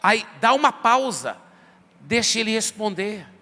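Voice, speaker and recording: Male pastor, high bright voice, conversational sermon, church hall echo. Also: sing-song, a little slow. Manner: conversational preaching, acts out prayers and dialogues. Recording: long hall reverb.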